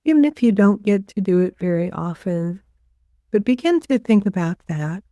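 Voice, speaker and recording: A woman leading a guided meditation as a teacher, giving gentle, unhurried instructions with pauses. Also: medium pitch, sing-song, dry recording.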